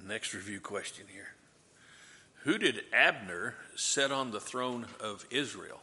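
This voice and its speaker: A man's voice: on the low side, animated, slow pace, sharp tone, long reverb tail, slight background noise. A man teaching a Bible class review. He asks the class questions, answers them himself, and adds light joking asides.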